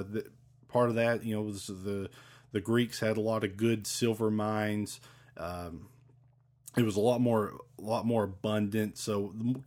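Guy rambling about his hobby, lots of ums and restarts, kinda low voice, gets excited. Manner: rambling and enthusiastic, many fillers and restarts. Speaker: podcast host talking about ancient coins. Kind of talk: casual explanatory talk.

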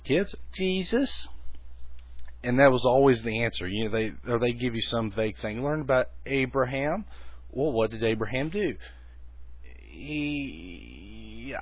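Man with a low bass voice, husky, folksy teaching tone, dry tinny recording. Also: no echo. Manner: folksy, conversational, many restarts. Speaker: children's ministry teacher.

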